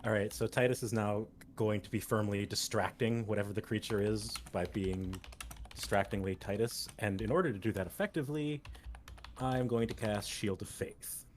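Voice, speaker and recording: Dude playing tabletop rpg, lowish voice, joking around, bit of noise and keyboard clatter. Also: male voice, normal speed. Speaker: tabletop game player. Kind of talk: casual in-game chat.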